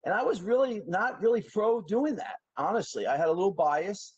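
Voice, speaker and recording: A man's voice: high voice, lively intonation, fairly quick, a little mellow, breathy edge, muffled recording. A middle-aged man from New York City, a podcast guest who tells long stories in a rambling, talkative way, full of fillers and restarts. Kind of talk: casual interview storytelling.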